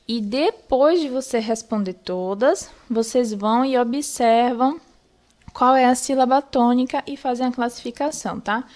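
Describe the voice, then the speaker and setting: A woman's voice: a little high, darkish tone. A young woman teaching an online lesson, explaining patiently step by step and checking in often with her students.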